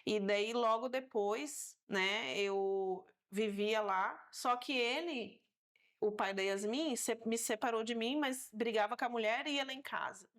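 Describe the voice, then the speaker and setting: Lively Brazilian woman sharing her testimony. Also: fairly high pitch, unhurried. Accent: Brazilian Portuguese. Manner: animated storytelling, acting out her own past words. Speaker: guest. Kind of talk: faith testimony in a talk show.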